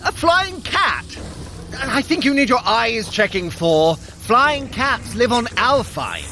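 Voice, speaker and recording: An actor playing a clever, wry god of mischief with dry, articulate, theatrical delivery in a fantasy audio drama. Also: male voice, very high voice, big pitch swings, slow pace, pushed and bright, a little hiss or hum, heavily acted. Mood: incredulous, alarmed.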